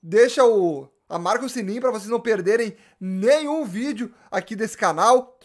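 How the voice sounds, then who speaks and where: A man's voice: sits high, normal speed. A young man, chatting animatedly to camera about football, slangy and full of restarts. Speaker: football YouTuber. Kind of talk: casual fan commentary to camera. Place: small indoor room with gaming chair.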